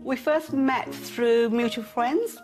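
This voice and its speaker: A woman's voice: on the high side, slow pace, over music. Older woman. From Hong Kong. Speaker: house hunter. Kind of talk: casual interview chat.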